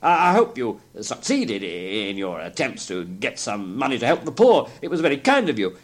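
A man's voice: medium pitch, wildly swooping pitch, moderate pace. Guy doing a gleeful old reformed miser for a storybook, super polite and eager, voice swooping up and down. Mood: earnest, apologetic. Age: older. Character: elderly reformed miser, gleeful, courteous, effusively kind.

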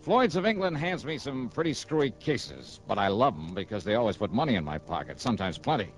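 An actor playing a breezy, wisecracking insurance investigator who also narrates, in a brisk, chatty 1960s radio drama style. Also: male voice, mid-range voice, sing-song, faint music behind, natural voice, low-quality recording. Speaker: narrator and lead. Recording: old radio broadcast.

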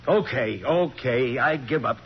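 Skeptical, blustering small-town sheriff. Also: male voice, mid-range voice, expressive, measured pace, husky. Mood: exasperated. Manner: sarcastic, blustering, folksy. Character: gruff skeptical small-town male police chief. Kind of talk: 1940s radio acting. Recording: muffled, hissy 1940s radio recording.

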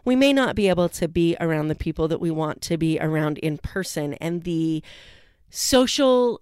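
A woman's voice: deep voice, lively intonation, normal speed, darkish tone, clear, resonant tone, no room sound, studio quality. A woman hosting a podcast interview, chatting in an upbeat, friendly way. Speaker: podcast host. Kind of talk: casual interview.

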